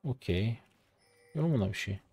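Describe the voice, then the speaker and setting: A man's voice: fairly low pitch, normal speed, breathy edge. A man in his late twenties from Turkey, a streamer giving slangy, casual commentary over his own gameplay. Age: late 20s. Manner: slangy, excitable, shouts when the game turns.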